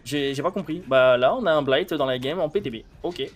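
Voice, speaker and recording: A man's voice: on the high side, a little fast, a little hiss or hum. A man in his thirties thinking aloud in blunt, informal live gameplay commentary as a streamer. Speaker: game streamer. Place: indoor streaming setup.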